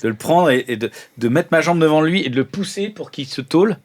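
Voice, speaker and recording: A man's voice: a little high, animated, a little fast. A man playing an improvised tabletop game, chatting casually and jokingly as he describes his moves. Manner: joking, informal.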